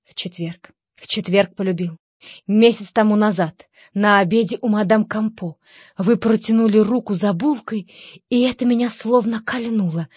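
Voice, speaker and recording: A woman doing a lisping, frantic gentleman. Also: medium pitch, normal speed, husky, dry recording, natural voice. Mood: anxious. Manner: melodramatic, despairing exclamations. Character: flustered nervous gentleman suitor, man, lisping. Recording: slightly dull dry recording.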